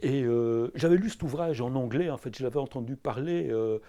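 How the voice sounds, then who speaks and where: A man's voice: medium pitch, fairly quick, warm tone. A middle-aged man with a Belgian French accent, an anthropology professor answering in a filmed interview, hesitant with many fillers and restarts. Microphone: camera crew sound.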